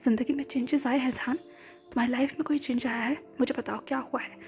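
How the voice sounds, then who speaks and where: A woman voicing a calm, firm woman psychiatrist who speaks soothingly. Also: sits high, fast, soft background music.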